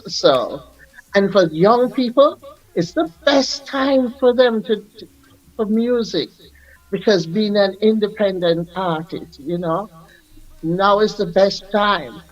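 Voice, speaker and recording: Older man, unhurried, dull lo-fi sound. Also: high voice. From Jamaica. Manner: unhurried, reflective, laughs often. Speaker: music artist guest. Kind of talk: radio interview.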